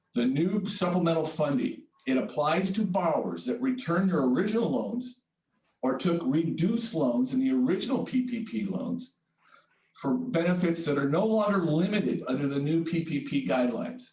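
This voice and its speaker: A man speaks in a high pitch with very wide pitch swings. His loudness stays very even, and room echo is audible. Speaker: tax accountant. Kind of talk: webinar presentation. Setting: webinar. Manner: fast.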